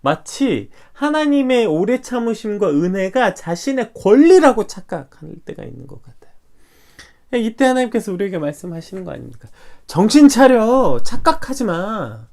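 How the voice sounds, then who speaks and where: Animated man preaching with lively pitch. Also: moderate pace, creaky. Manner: animated, acts out quoted dialogue, rhetorical questions. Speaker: pastor. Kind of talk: morning devotional sermon.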